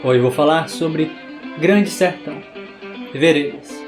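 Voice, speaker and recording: Young Bahian sertanejo man, high-pitched, theatrical video-essay narrator over faint guitar. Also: slow pace. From interior of Bahia, Brazil. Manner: dramatic, theatrical delivery. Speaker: book vlogger.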